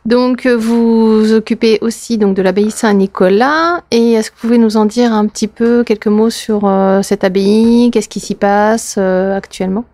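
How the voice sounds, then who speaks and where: A woman hosting a radio show, introducing and questioning a guest in a measured way with small hesitations. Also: a little high, fairly even intonation, warm tone, no room sound. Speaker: radio host. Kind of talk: radio interview host.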